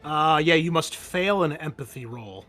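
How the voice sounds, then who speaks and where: A man's voice: on the high side, lively intonation, moderate pace, sharp tone. A man running a tabletop roleplaying game as game master, narrating and explaining rules in an encouraging, conversational way. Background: music under the voice.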